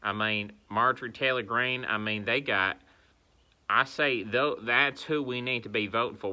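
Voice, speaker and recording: A man's voice: lowish voice, bright, forceful tone. A man playing a rambling, fired-up older patriot who rants on a phone livestream outdoors, bombastic and self-interrupting. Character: rambling older male pro-Trump patriot, fired-up and muddled. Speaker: satirical livestream ranter. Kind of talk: comedic satire rant.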